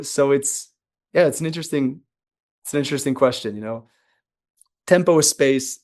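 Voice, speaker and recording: Guy conductor chatting in an interview, thinks out loud, lots of restarts, middle pitch. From born in Switzerland, raised in the United States. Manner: reflective, many restarts and repeated words. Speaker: guest conductor. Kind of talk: conversational interview answers.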